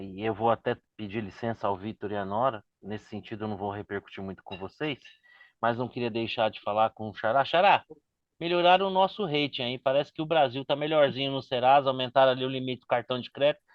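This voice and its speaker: A man's voice: medium pitch, dry recording. Guy hosting a panel, middle voice, kinda muffled and dry, stumbles then asks questions. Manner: hesitant, many restarts, then leading questions. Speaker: host.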